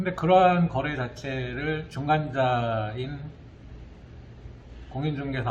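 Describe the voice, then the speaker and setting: A man talks at a very slow pace, somewhat breathy, with ordinary pitch variation. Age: 40s. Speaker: licensed real estate agent. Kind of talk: casual vlog talk to camera.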